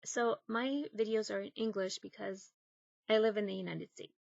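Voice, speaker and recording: A young woman from northern Mexico whose first language is Spanish, talking casually and thoughtfully to camera as a book vlogger, with frequent ums and pauses. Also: mid-range voice, steady tone, creaky, a little mellow, no room sound, lo-fi sound. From Monterrey, northern Mexico. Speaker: booktuber.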